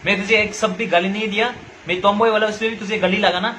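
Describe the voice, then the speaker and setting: This young adult social media commentator from Nagaland, India delivers an angry rant direct to camera, confronting and lecturing someone while repeating himself. His voice sits high, steady and sharp, and he talks fast; the recording is low quality with slight background noise.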